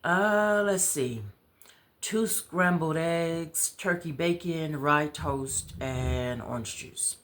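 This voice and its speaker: Woman as sociable male friend in a read-aloud story, animated, casual, raised pitch. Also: very slow. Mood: pondering. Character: easygoing male friend, sociable businessman with teaching dreams. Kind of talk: storybook dialogue reading.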